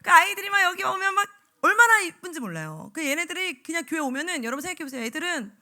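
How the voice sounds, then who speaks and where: A woman evangelist giving a lively sermon to church teachers, often acting out the voices of teachers and children. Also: very high-pitched, fast talker. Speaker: evangelist preacher. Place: church sanctuary.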